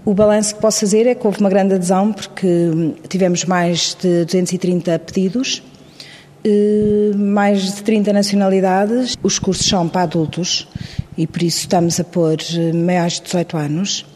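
A woman answering interview questions briskly, with frequent hesitation fillers. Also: mid-range voice, steady tone, darkish tone, in a large hall. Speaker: immigrant support staff member.

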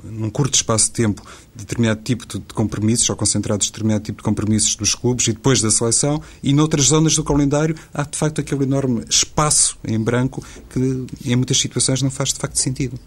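A man moderating a football panel, framing questions with measured pauses and fillers. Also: mid-range voice, steady tone, breathy edge. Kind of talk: studio panel discussion.

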